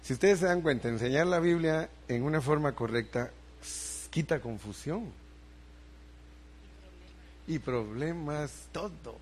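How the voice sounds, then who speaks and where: A man's voice: a little high, unhurried, long pauses, slight background noise. An older male pastor preaching a sermon, asking the congregation for responses and building emphasis.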